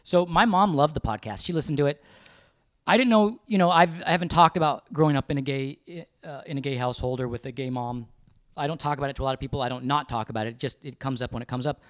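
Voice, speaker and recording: A man co-hosting a podcast, talking casually and animatedly with a fairly high register, swearing and laughing often. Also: quick pace, dry recording, clean studio sound. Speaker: podcast co-host. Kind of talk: casual chat.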